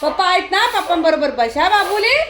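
Her voice very high and very animated, a woman talks fairly quickly to her dog for a vlog out on an open ground, with a noisy background. She scolds and teases the dog playfully, laughing frequently.

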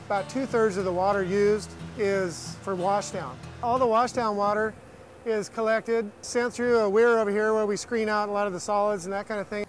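An American man giving an unscripted, practical walk-through explanation as a brewery guide. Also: sits high. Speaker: brewery staff giving a tour. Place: on a walking tour around an industrial brewery, much of it outdoors.

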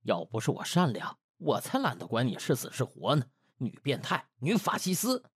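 A male reader plays a brash young man in a comic audiobook, indignant and blustering. His slightly husky voice swings wildly in pitch and is recorded close and dry. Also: huge pitch swings, normal speed, dry recording, heavily acted. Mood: grumbling. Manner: blustering, muttering, colloquial griping. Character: Duan Lang, brash, indignant, foul-mouthed young man. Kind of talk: dramatized comic web-novel audiobook.

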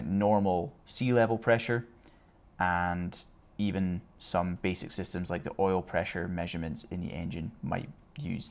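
A man teaching an online aviation lesson, explaining in a relaxed, conversational way with casual asides. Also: low-pitched. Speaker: flight theory instructor.

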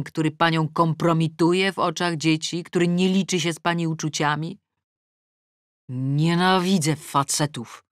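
A woman reading a novel aloud in the first person. She moves between sharp, scornful asides and a calm, measured advice-column voice. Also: on the low side, dry recording, clean studio sound. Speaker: audiobook narrator. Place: recording booth. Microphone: studio microphone.

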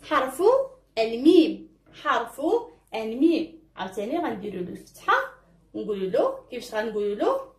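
Moroccan woman, children's teacher, high and lively, encouraging, echoey room. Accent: Moroccan Arabic. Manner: encouraging, drawn-out repeated syllables. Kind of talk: children's phonics lesson.

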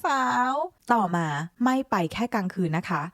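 A woman's voice: a little high, animated, normal speed, no echo. Brief: woman storyteller, sassy asides, dry close sound. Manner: sassy, addresses listener as girlfriend. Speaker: storyteller reading a forum post. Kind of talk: reading a story aloud with chatty asides.

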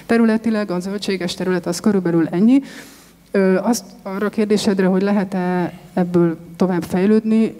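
A woman in her thirties, a farmer on an expo stage panel, answering thoughtfully with handheld mic and frequent hesitations. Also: medium pitch. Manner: thoughtful, steady, many hesitations. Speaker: vegetable community farmer, panel guest. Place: large expo stage with sofas. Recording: long hall reverb.

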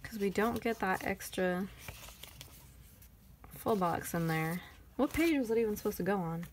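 A woman's voice: mid-range voice, expressive, normal speed, slight background noise. A woman with a Texan accent chatting casually through a planner sticker haul, rambling and thinking aloud. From Texas. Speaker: planner vlogger.

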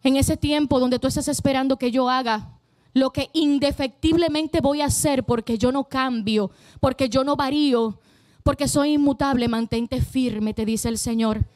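A woman's voice: high-pitched, fairly even intonation, moderate pace, a little mellow, no room sound. A woman preaching a fervent sermon to a church congregation, using emphatic repetition and calling out to the people.

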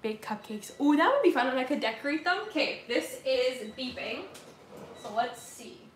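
A woman's voice: sits high, expressive, moderate pace, slight background noise. A young woman with a Southern accent chatting casually on a live stream from her home kitchen, answering viewer comments while she bakes. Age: young adult. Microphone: laptop or phone camera at table distance. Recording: echoey kitchen room sound.

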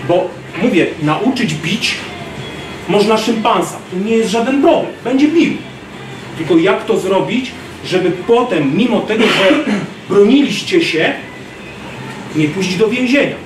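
Man, thirties, self-defense instructor, animated lecture, distant camera, roomy gym noise. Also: high voice, a little slow. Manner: animated, gestures, acts out street scenes. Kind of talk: lecture to a class. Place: large gym hall, indoors. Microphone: far camera. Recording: roomy gym echo from far off.

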